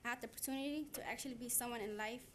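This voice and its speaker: A woman's voice: a little high, very fast, fairly bright tone, a little hiss or hum. A teenage girl from Somalia, giving an earnest prepared speech as a student speaker, sometimes repeating herself when stuck. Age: teens. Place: city hall chamber.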